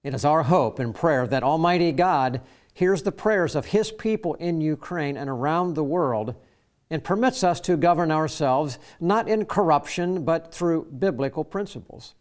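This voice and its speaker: Formal male radio host, slightly high. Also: expressive. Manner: measured, formal delivery with frequent fillers when ad-libbing. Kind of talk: scripted program introduction and interview.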